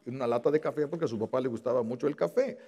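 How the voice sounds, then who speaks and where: A male Catholic priest preaching a sermon, impassioned, repeating key phrases and drawing words out slowly for weight. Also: medium pitch, warm tone, in a large hall.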